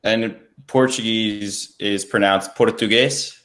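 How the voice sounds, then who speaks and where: Guy hosting a podcast, lowish voice, just chatting casually. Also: steady tone, moderate pace. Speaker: podcast host. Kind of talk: casual interview chat.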